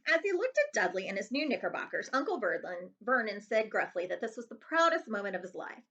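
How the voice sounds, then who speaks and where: A woman librarian reading a children's novel aloud in an expressive storytelling style. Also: mid-range voice, fast talker, muffled recording.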